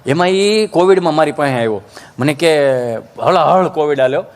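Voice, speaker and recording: A man tells stand-up jokes in a high, bright register. He spins his tales in a folksy, rustic manner, like a village raconteur. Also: lively intonation, normal speed. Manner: folksy storytelling with rustic dialect. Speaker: comedian. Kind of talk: stand-up joke telling.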